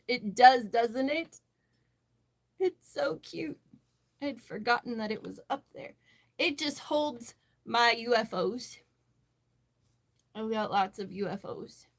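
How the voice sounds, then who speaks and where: An American woman hosting a casual livestream, chatting and answering viewer comments as she goes. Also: on the high side. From western Massachusetts, United States. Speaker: livestream host, crocheter.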